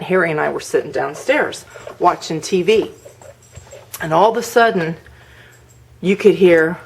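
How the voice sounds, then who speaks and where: A middle-aged woman vlogger casually telling a personal story, chatty and laughing often. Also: on the low side. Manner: chatty, laughs often, acts out quoted voices.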